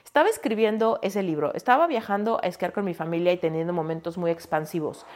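A woman with a Mexican Spanish accent, a spiritual coach telling a personal story in a candid, expressive way and speaking straight to the listener. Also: lowish voice, fast talker.

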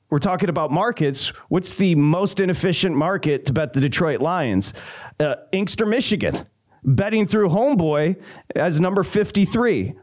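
A man hosting a sports betting radio show, chatty and telling stories with quick asides. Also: on the high side, a little mellow.

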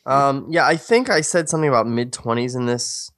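A podcast co-host chats casually and reads a screenplay aloud, talking in a self-mocking, profane manner. His voice is medium-pitched, brisk, and a bit bright.

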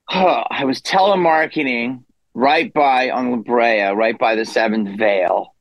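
A man's voice: mid-range voice, slow pace, no echo, dull audio. A man in his fifties, a guest comedian telling a rambling story in a casual interview, with self-deprecating asides. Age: 50s.

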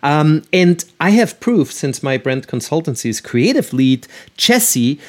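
A man's voice: on the high side, big pitch swings, a little slow, darkish tone. A man from Austria hosting an interview podcast, enthusiastic, with many fillers and restarts. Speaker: podcast host.

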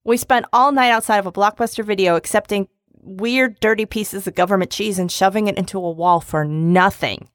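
A woman co-hosting a casual comedy chat, jokey and animated, slipping into silly voices. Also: mid-range voice, fairly quick, no echo, studio quality. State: recovering from a lost voice. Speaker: podcast co-host. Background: dog barking.

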